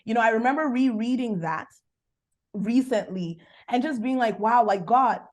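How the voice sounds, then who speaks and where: Nigerian woman coaching with preacherly energy. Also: fairly high pitch. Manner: animated, preacherly, bursts of quick speech. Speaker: business coach, podcast guest. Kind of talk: faith-based coaching conversation.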